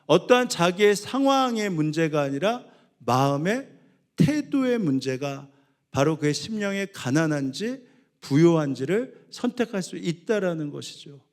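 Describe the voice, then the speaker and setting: A man preaching a sermon as pastor, swinging between loud, impassioned cries and low, hushed passages. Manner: rising to impassioned shouts when voicing biblical cries, then dropping low and soft.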